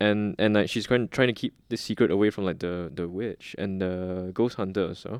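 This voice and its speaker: A man with a plain, everyday voice talks with hardly any pauses and fairly even intonation, the sound dry and close with no echo against a quiet background. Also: fairly low pitch for a man, moderate pace. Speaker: podcast host. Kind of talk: casual chat.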